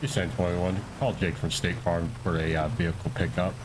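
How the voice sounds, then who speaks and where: Low-voiced man, casual game tutorial. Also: level tone, brisk, background noise. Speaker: streamer and tutorial host, playing a police officer.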